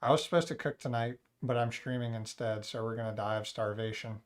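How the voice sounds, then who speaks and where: A man's voice: mid-range voice, fairly even intonation, fairly quick. A man hosting a casual livestream, joking and rambling to his chat. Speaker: livestream host.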